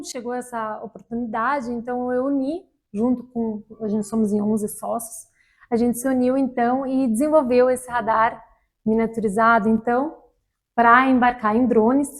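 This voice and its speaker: Soft-spoken woman engineer. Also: on the high side. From Germany, raised in Brazil. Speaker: guest, electrical engineer. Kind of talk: casual interview talk.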